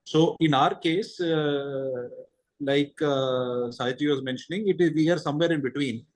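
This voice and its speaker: Methodical male executive, slightly high voice. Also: unhurried. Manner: methodical, explanatory. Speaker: company executive. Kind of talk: explanatory remarks on a conference call.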